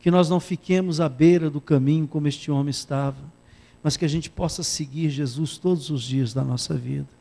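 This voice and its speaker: Mellow-voiced pastor praying. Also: male voice, fairly high pitch, steady tone, brisk, gravelly. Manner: prayerful, repeatedly addressing God. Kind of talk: closing prayer.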